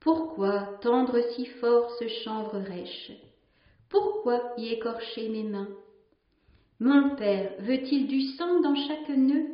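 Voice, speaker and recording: A young girl who weaves nets complains in resentful questions, as a woman reads her part. The voice is somewhat high and the room echoes. The sound is slightly dull. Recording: roomy, slightly dull recording.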